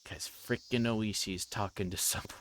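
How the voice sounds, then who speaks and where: A man's voice: lowish voice, steady tone, normal speed, fairly bright tone, slight background noise. A man on a livestream reading a visual novel aloud and adding casual commentary. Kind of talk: livestream game read-along with casual commentary.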